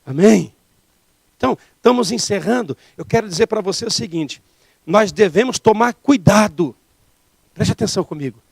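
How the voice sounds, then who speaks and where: A man's voice: high voice, lively intonation, moderate pace, vocal fry, slightly rough, no echo. A man preaching a sermon as pastor, emphatic and full of rhetorical questions.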